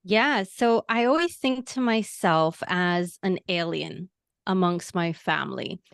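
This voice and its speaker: A woman from New York talks as a podcast guest, with a light Latina tinge in her New York accent. She sounds bubbly and eager, and her voice is smooth and resonant. The recording is close and dry. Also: fairly low pitch, takes it slowly, no room sound. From New York, United States. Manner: bubbly, enthusiastic. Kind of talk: interview conversation.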